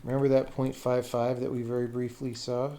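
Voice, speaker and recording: A man's voice: mid-range voice, flat delivery, brisk, mellow. A man livestreaming game programming, muttering casually to himself in short fragments with the odd swear word. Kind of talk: casual thinking aloud while coding on stream. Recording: faint noise with keyboard typing. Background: computer keyboard typing.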